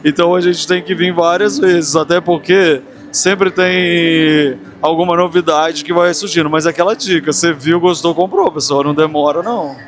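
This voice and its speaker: A man's voice: a little high, steady tone, normal speed, few pauses. A Brazilian man hosting a casual walking vlog, speaking effusively and straight to his viewers in a busy fair. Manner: effusive, addresses viewers directly. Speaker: vlogger and host. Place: busy large craft fair. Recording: clear background noise of a busy fair.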